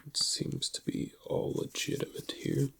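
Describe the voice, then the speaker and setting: A man playing a shady alien dealer in black market antiquities, in a hushed, whispery ASMR roleplay with a gravelly voice and a musing manner. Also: close to an everyday voice. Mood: intrigued, appraising. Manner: hushed, unhurried, musing over goods. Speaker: ASMR performer.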